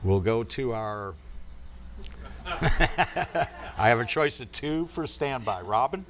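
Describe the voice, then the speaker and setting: A man's voice: mid-range voice, lively intonation, takes it slowly, fairly bright tone. A man with an American accent chairing a formal council meeting as mayor, making announcements and introductions. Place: indoor city council meeting. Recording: noisy council chamber microphone with hum.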